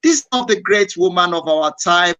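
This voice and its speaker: Bright-voiced effusive male radio host. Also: high voice, expressive, a little fast, dry recording, highs cut off. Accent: South African English. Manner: warm, effusive praise, repeats words. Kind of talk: live radio interview.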